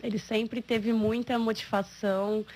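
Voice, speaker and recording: A soft-spoken woman, the patient's wife and caregiver, answering earnestly. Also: fairly high pitch, little pitch movement, a little slow, a little hiss or hum.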